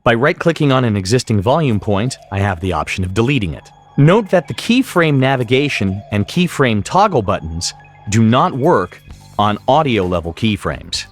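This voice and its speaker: A man narrating a scripted software tutorial as an instructor, in a measured, explanatory way. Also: mid-range voice, big pitch swings, faint music behind.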